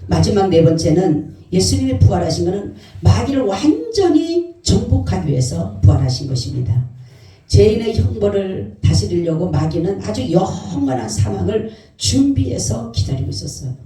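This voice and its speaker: A pastor preaching an Easter sermon in a church, lively and questioning the congregation. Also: medium pitch, normal speed. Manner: animated, asks the congregation questions. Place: church sanctuary. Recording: very echoey church hall, mic far off.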